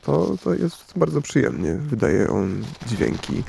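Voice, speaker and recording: Gravelly, hesitant male radio host. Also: mid-range voice, very animated, noisy background. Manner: slow, hesitant, many fillers and restarts. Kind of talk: musing radio monologue.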